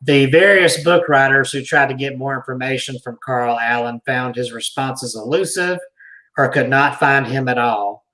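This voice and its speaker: A man hosting a talk, reading an article aloud deliberately, with emphatic pauses and asides like a storyteller. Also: medium pitch, pushed and bright, rough recording.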